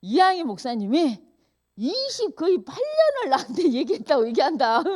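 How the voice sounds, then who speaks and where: A middle-aged woman tells stories in a church sermon. Her voice sits high and swoops widely. She laughs often and acts out both sides of each exchange. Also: huge pitch swings, normal speed, a little mellow. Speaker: pastor's wife giving a church message. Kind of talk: storytelling sermon. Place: church service.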